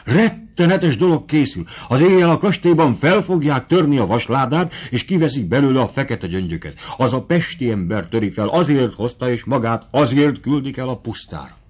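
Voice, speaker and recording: A man voicing an agitated, pompous middle-aged captain's wife, speaking in a shrill, dramatic way. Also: darkish tone, natural voice. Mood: alarmed, lamenting.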